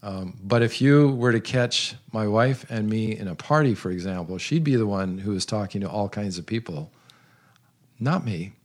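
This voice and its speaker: Earnest older man, low voice. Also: animated. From South America. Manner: earnest, measured, with frequent um and restarts. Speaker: guest, retired missionary. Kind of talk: reflective interview answers.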